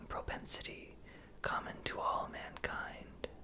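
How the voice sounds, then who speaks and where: Fairly slow whispering against noticeable background noise. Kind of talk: ASMR reading of a classic horror story. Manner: whispered, soft.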